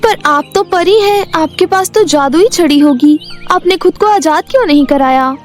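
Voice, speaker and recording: Woman voicing a very high-pitched earnest young girl. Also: moderate pace. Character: helpful, polite, clever young girl. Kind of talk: animated Hindi moral story acting. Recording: music behind the voice.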